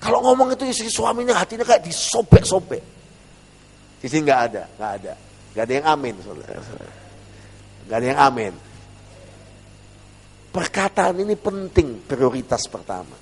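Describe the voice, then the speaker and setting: A male pastor giving a humorous, animated sermon in a church, often calling out to the congregation. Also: a little high, moderate pace, pauses often, breathy edge. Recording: long church reverb.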